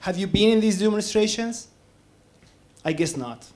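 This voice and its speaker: A man's voice: high voice, lively intonation, normal speed, a little mellow. A man from Palestine in the audience, firing pointed, repeated questions at a panelist. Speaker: audience member.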